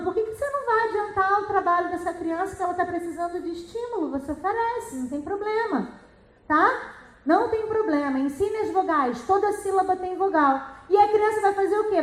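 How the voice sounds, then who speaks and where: High-voiced woman teaching in an echoey room. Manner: lively and explanatory, with rhetorical questions. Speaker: educational psychologist and teacher.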